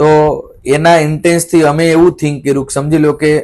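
A man talks in an ordinary speaking voice with fairly even intonation. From Amreli district, Saurashtra, Gujarat. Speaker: founder of a skills training institute. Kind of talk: interview.

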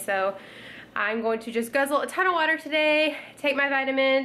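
At a moderate pace, a woman talks in a high pitch. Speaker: lifestyle vlogger. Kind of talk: casual vlog chat. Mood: upbeat, friendly. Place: kitchen. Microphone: phone near.

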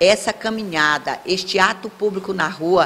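Light background noise accompanies a woman who talks at a fairly slow pace with fairly even intonation. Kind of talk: interview answer. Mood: firm, persuasive call to action. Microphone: handheld.

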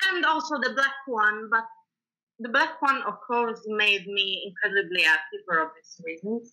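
Speaking at a moderate pace with an Italian accent, a woman uses a fairly high pitch and very wide pitch swings. Her tone is bright and sharp. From Italy (Sicily). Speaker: costume designer. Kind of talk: casual interview chat. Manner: frequent hesitations and fillers.

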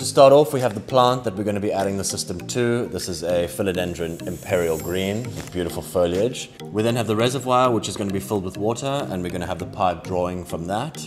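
The speech races at a very fast pace. Clear music plays in the background. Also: man, very deep, low pitch for a man. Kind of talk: tutorial. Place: shop. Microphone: lapel.

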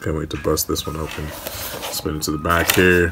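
A man speaks with monotone, flat intonation. Music plays in the background. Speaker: toy collector reviewer. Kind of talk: casual review commentary. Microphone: phone near.

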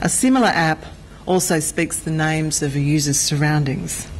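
A woman speaks at a moderate pace in a very deep, low pitch. Light background noise sits behind her. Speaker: government minister giving a conference speech. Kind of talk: prepared speech. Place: hall. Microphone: podium.

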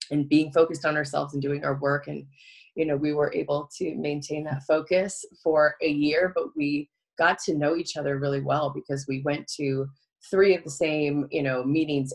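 A woman with a very deep, low voice, monotone and flat in intonation, against a quiet background. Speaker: relationship coach guest. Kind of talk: interview answer. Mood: warm, sharing a personal story. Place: home room. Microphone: video call.

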